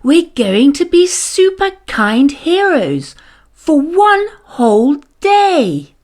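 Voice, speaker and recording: A woman plays an encouraging female primary school teacher from a children's storybook. She is cheerful and emphatic, with a high, very animated voice and slow, drawn-out words. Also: full character voice. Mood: excited, encouraging.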